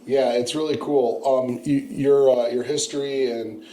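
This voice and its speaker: A man's voice: mid-range voice, fairly even intonation, a little slow, mellow, reverberant, a little hiss or hum, low-quality recording. A man hosting a podcast, chatting with a guest in a laid-back, enthusiastic way. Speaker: podcast host. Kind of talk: casual interview chat.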